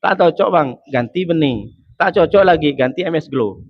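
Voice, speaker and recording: A man's voice: on the high side, expressive, normal speed, muffled recording, a little hiss or hum. A man voicing a nagging chatty wife. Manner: whiny, nagging, repeated "Bang". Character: chatty complaining wife, adult woman.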